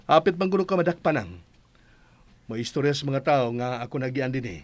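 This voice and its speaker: An actor playing an easygoing, kindly parish priest in a radio drama comedy, with a Bisaya accent. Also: male voice, medium pitch, lively intonation, normal speed, a little hiss or hum, natural voice. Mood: genial. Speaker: priest character.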